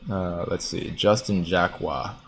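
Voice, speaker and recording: Male livestream host, deep low voice, chatty and quick to laugh, faint background hum. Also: steady tone, creaky. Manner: chatty, laughs often, muses aloud. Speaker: livestream host reading viewer comments. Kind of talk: casual livestream chat about stocks.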